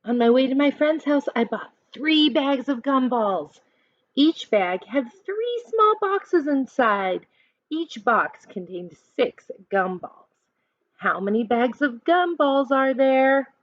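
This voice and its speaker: In a dull, echoey room recording, a woman reads aloud to children as a teacher would. Her pitch swings up and down in a lively way as she poses questions and coaches the listeners. She takes her time, keeping an unhurried pace. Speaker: teacher reading a picture book aloud to children. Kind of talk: animated children's read-aloud with counting questions.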